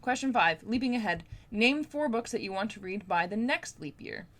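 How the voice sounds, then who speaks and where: A woman's voice: medium pitch, lively intonation, normal speed, fairly bright tone. A young woman chatting casually to camera as a book vlogger, in an informal, rambling, playfully self-deprecating way. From Canada.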